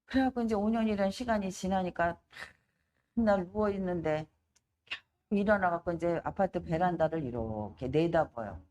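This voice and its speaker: Middle-aged woman preaching her testimony, storytelling style, pitch swoops all over, does everyone's voices. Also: normal speed, a little hiss or hum. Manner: animated storytelling, acts out relatives' voices. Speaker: evangelist giving testimony. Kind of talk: testimony sermon.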